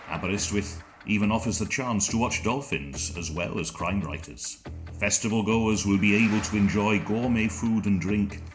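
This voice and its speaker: A man reads a scripted promotional narration at a measured pace. His voice sits fairly low. Clear music plays behind him.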